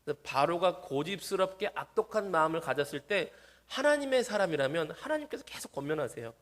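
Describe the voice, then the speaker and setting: A male pastor delivering a sermon in a church, his fairly high voice lively and expressive. He talks straight to the congregation and slips into the voices of the people he quotes, swinging up and down in pitch and loudness. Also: a little fast. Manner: animated, acts out quoted voices.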